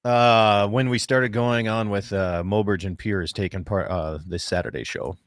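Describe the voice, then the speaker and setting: Folksy low-voiced radio host. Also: male voice, steady tone, normal speed, no room sound, studio quality. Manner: folksy joke-telling, loud upbeat on-air delivery. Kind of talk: casual chat, then radio show opening. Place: front porch of a ranch.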